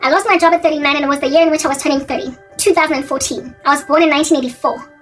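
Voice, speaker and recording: South African woman, 40s, high voice, rambling vlog talk, distant mic, faint music underneath. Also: steady tone, racing. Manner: rambling, often correcting and repeating herself. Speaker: faith vlogger. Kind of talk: casual talking-head monologue.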